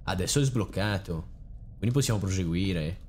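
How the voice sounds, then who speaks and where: A man's voice: low-pitched, animated, normal speed, background noise. A young man giving casual, rambling, joking let's play commentary with theatrical reactions. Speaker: gaming channel host.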